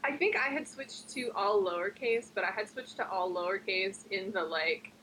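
A woman's voice: mid-range voice, moderate pace, bright, forceful tone, slight background noise, low-quality recording. A young woman from New Jersey co-hosting a podcast, rambling casually with lots of fillers. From New Jersey, USA. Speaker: podcast co-host. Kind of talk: casual chat.

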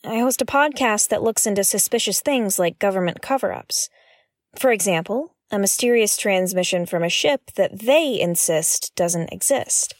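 A woman's voice: medium pitch, expressive, moderate pace, no echo, clean studio sound, natural voice. A woman playing a wary, frustrated investigative podcaster in an audio drama, speaking in a guarded, hesitant way. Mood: awkward, explaining. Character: wary, frustrated female investigative podcast host, dogged truth-seeker. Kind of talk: naturalistic audio fiction acting.

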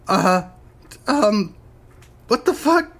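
A man's voice: high voice, big pitch swings, extremely slow, a bit bright, full character voice. An actor with a male-sounding voice playing a groggy, irreverent young trans woman with a casual, sardonic manner in a fan-dub audio drama. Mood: alarmed. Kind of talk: scripted first-person dialogue and narration.

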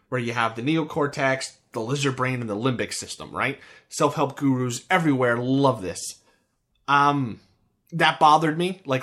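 A man's voice: medium pitch, a bit bright. A man with an American accent, co-hosting a podcast about a video game in casual, rambling chat full of restarts. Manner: rambling, with frequent restarts and fillers. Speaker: podcast co-host.

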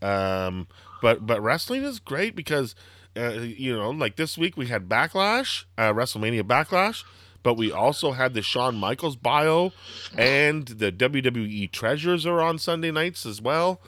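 Hoarse, rambling man hosting a podcast. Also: mid-range voice, measured pace, no room sound. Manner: rambling, filler-heavy, excitable. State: slightly hoarse, throaty. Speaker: podcast host. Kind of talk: casual wrestling podcast chat.

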